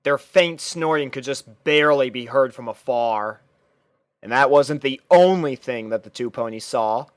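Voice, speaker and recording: A man's voice: medium pitch, unhurried, clean tone, no echo. A man reading fan fiction aloud as scripted, storybook-style narration.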